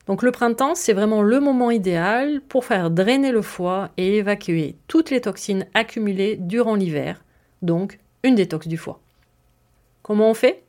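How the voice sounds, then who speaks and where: A woman's voice: mid-range voice, a little slow, darkish tone. A woman hosting a podcast and explaining her subject in a friendly, conversational way, with filler words and some self-mocking humor. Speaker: podcast host.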